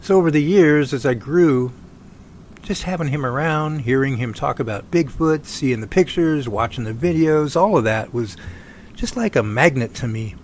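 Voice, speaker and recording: A man playing an earnest research team leader in an amateur audio drama, talking in a folksy, halting way. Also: mid-range voice, lively intonation, darkish tone, a little hiss or hum, natural voice. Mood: reflective, earnest.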